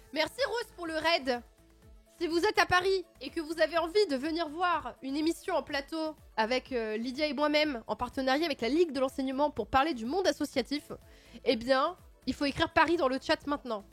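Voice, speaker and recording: A woman hosting a livestream in casual chat, playful and expressive with sudden excited outbursts. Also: sits high, a little fast. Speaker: livestream host. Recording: faint music in the background.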